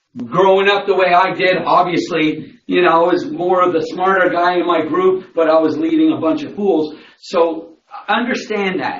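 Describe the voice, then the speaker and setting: There is audible room echo as a man talks at a moderate pace. His pitch is high, with ordinary pitch variation. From Quebec, Montreal. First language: not English (English is third language). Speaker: house flipper and business instructor. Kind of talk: motivational talk to audience. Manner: loud; animated.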